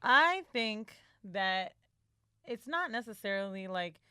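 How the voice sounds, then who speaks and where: A woman with a bright, forceful voice chats as a podcast co-host. Her style is frank and informal, with casual swearing. The sound is dry and free of room echo. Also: mid-range voice, expressive, slow, clear, resonant tone. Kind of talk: casual candid chat.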